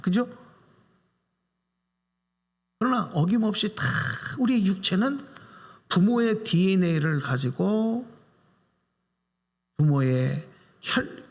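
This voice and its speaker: A man's voice: sits high, creaky, slightly rough. A male pastor giving a Sunday sermon in a church sanctuary, preaching with animation and putting questions to the congregation. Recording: reverberant church hall.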